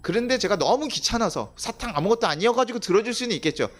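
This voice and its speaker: A man's voice: sits high, animated, fast. A male pastor giving a conversational sermon, asking the congregation questions and acting out quoted voices. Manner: conversational preaching with rhetorical questions; acts out quoted voices of children and God.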